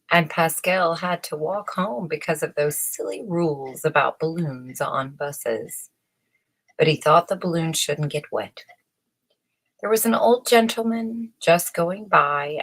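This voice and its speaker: A woman reading a children's story aloud as an expressive storyteller, pausing between short phrases. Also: lowish voice. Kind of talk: storybook narration.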